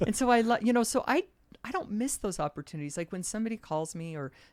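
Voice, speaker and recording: Over a very clean recording with a silent background, a woman speaks at a very fast pace with lively intonation. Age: 50s. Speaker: former inmate and recovering addict. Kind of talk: interview testimony.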